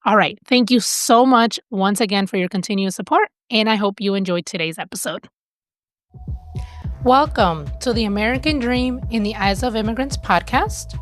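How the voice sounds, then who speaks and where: A woman's voice: mid-range voice, moderate pace, soft background music. A woman hosting a podcast, reading a sponsor announcement and introducing her guest in an upbeat, effusive way. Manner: upbeat and effusive, repeats thanks. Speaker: podcast host.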